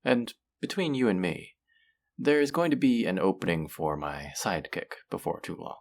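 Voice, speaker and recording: Man acting as a deep-voiced, suave supervillain. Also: vocal fry. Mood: businesslike, inviting. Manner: polished, measured, theatrical, amiable. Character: suave, pleasant male supervillain interviewing a minion recruit. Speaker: voice actor. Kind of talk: scripted roleplay audio drama, conversational monologue.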